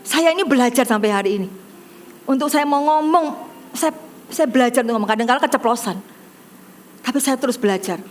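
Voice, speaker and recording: A middle-aged woman pastor preaching a sermon in a church service, with an Indonesian accent, telling a personal story with animated delivery and speaking directly to the congregation. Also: high voice, fairly quick, long pauses, slight background noise. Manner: animated storytelling, acts out quoted voices, addresses congregation directly.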